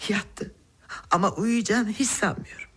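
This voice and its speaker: A woman playing a weary, anxious, emotional mother in a TV drama, with a husky, breathy voice. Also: medium pitch, measured pace, lightly acted. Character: weary, anxious, tearful mother of a grown daughter. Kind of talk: television drama acting.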